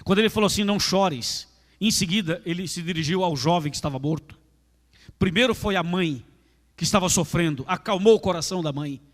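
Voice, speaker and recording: Male pastor, Brazilian Portuguese accent, high voice, emphatic sermon, long church reverb. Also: a little fast. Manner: emphatic, repetitive preaching, addresses listeners directly. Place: large church with a gallery. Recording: echoey church hall.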